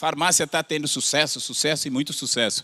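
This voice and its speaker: The recording is dry and close, free of any echo. Speaking with a non-native accent is a man. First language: not Portuguese (speaking Portuguese). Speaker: missionary preacher. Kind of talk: sermon.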